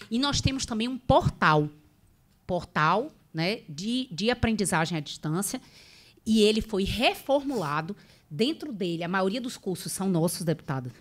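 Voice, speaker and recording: A woman's voice: lowish voice, fairly bright tone. A middle-aged woman with a northeastern Brazilian accent, giving an informal explanatory talk as a guest official at a table microphone. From Rio Grande do Norte, northeastern Brazil. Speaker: government official, guest speaker. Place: legislative meeting room, indoors. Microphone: table boom microphone.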